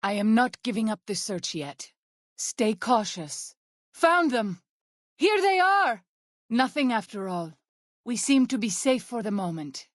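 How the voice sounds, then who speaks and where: A woman voicing a gentle, earnest tribal healer in a video game, speaking in formal, measured phrases. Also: on the high side, big pitch swings, no echo, clean studio sound. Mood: cautious, regretful, then urgent, alarmed. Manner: formal, measured, careful phrasing without slang. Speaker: video game companion character and ending narrator. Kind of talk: scripted video game voice acting. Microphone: close studio microphone, dry.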